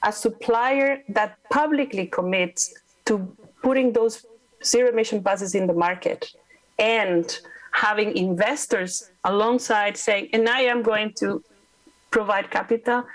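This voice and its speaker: A woman's voice: medium pitch, a little slow, low-quality recording. A woman with a Costa Rican accent, a native Spanish speaker, speaking emphatically and persuasively as a panelist. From Costa Rica. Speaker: panelist, climate advisor. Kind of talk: panel discussion remarks.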